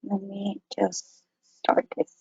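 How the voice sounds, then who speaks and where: A woman's voice: mid-range voice, monotone, takes it slowly, creaky, dark tone, breathy edge. A young woman from Mexico presenting a live online teaching webinar from a small room, hesitant with many fillers and restarts. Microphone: webcam and computer mic. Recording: dull lo-fi webinar audio.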